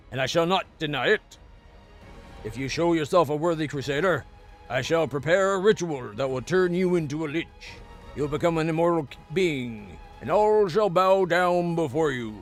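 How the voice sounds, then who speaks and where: An arrogant undead lich from a fantasy game, as a man acts him out, sneering and gloating over lesser mortals. The voice is male, haughty and a little high, with faint music underneath. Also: natural voice. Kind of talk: reading game dialogue aloud in character.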